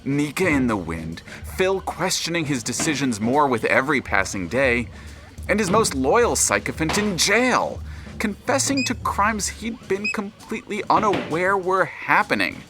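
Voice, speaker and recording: A man narrating an audio drama in a measured, dramatic manner as a grave storyteller of a troubled tale. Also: a little high, very animated, over music. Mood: brooding.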